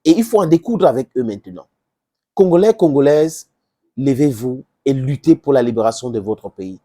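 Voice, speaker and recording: Cameroonian accent, native English speaker, mellow voice, lively swooping pitch, impassioned political commentary, emphatic and repetitive. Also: moderate pace. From Southern Cameroon. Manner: emphatic, rhetorical questions and repetition. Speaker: political commentator addressing viewers.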